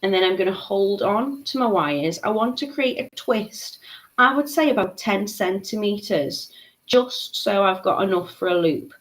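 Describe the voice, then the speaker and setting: A woman's voice: medium pitch, animated, measured pace, rough recording. A woman, giving a live craft tutorial, chatting and laughing as she reads out viewer comments. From Liverpool, England. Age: 30s. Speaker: beading tutor.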